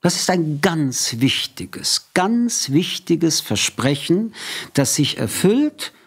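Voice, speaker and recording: An older man whose first language is French speaks in a husky, rather high voice that swings widely in pitch. He talks emphatically, making his points in a calm studio conversation on a boom mic. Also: slow pace. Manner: emphatic, expressive, gestures a lot. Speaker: interviewer. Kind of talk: reflective conversation. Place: small studio at a table. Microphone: studio mic on an arm.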